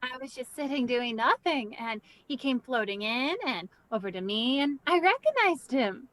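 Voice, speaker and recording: A woman acts a contented ninety-year-old vampire for a comedy read. Her voice is on the high side and very lively, chatting simply, with little room sound. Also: normal speed, dry recording, poor audio. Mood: delighted.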